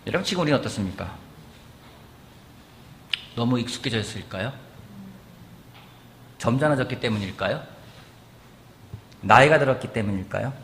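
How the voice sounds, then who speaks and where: A man preaching a sermon in a church, asking the congregation questions and acting out quotes in a lively way. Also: mid-range voice, moderate pace, pauses often, slight background noise. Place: church sanctuary. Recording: echoey church hall with faint ambience.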